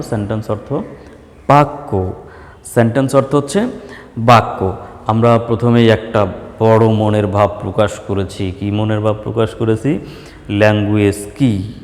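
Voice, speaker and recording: A Bangladeshi man teaching a primary school lesson, asking questions and answering them himself, sometimes drawing out examples slowly. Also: fairly low pitch, darkish tone, in a large hall. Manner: slow, drawn-out dictation of examples. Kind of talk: online class lesson.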